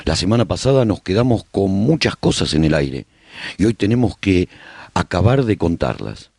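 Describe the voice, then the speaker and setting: A man's voice: low voice, big pitch swings, normal speed, creaky, darkish tone, slightly rough, no room sound, clean studio sound, exaggerated voice. A man playing a survivor who hosts a radio broadcast, narrating a post-apocalyptic chronicle as a scripted radio serial. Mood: welcoming, urgent.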